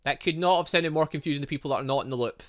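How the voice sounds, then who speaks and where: A man's voice: on the high side, racing, a bit bright. A man playing a visual novel, reading its lines aloud and joking about the story in casual chat. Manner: chatty, laughing asides, restarts mid-word. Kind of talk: casual let's-play commentary and reading game dialogue.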